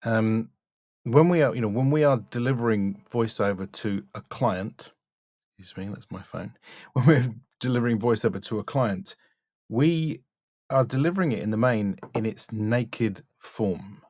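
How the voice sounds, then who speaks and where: A low-pitched man speaks as a voice-over coach, recorded close and very dry. He critiques bluntly and instructively, stressing points in short, emphatic remarks. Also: measured pace, a little mellow, no room sound. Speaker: voice-over coach reviewing demo reels.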